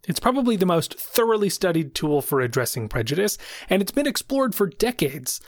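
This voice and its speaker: Higher-voiced man narrating a podcast. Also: sing-song, a little fast, no room sound, studio quality. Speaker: podcast host.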